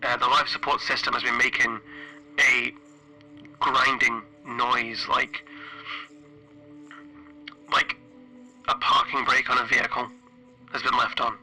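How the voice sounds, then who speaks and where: Man acting a stranded engineer, bright, even voice. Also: medium pitch, faint music behind, low-quality recording. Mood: worried. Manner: hesitant, halting, broken phrasing. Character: stranded male spaceship engineer, weary, frightened, recording log. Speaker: solo role-playing game player. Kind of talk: halting in-character audio log.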